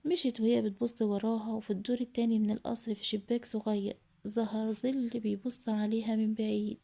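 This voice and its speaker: An Egyptian woman tells a horror story in a measured, level voice that barely rises or falls. Her tone is mellow and soft-edged, with her voice sitting a little high for a woman. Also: level tone, creaky. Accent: Egyptian Arabic. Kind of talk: scripted horror story narration.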